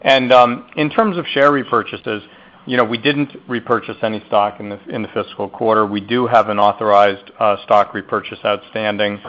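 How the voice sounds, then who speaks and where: Low-voiced executive on a muffled conference call. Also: male voice, fairly even intonation, normal speed. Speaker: company executive answering analysts. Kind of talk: earnings conference call answer.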